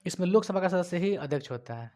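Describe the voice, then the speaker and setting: A male teacher with a Bihari Hindi accent, giving a classroom lecture, quizzing his students and scolding them, loud one moment and quiet the next. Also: sits high, expressive, quick pace. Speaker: coaching teacher.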